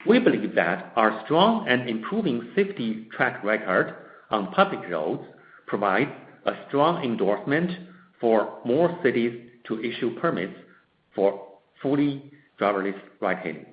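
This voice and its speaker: A man presenting as a company executive, reading a scripted corporate statement in formal, measured short phrases on a conference call. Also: medium pitch, sing-song. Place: conference call in a roomy space. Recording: dull, echoey conference-call audio.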